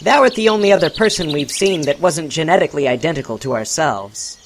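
A man's voice: fairly high pitch, expressive, a little fast, a little hiss or hum, voice pushed up. A man voicing a precocious six-year-old boy clone who speaks in mock-archaic English. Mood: matter-of-fact. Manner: mock-archaic speech, sassy and knowing.

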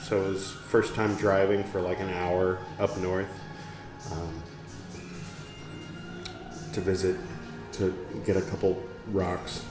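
A man hosting a show where he reads a book aloud, musing and pausing to talk back to the text in casual asides. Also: low-pitched, little pitch movement. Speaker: podcast host reading aloud. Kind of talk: slow reading with casual asides. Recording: roomy room with faint background music. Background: soft instrumental music.

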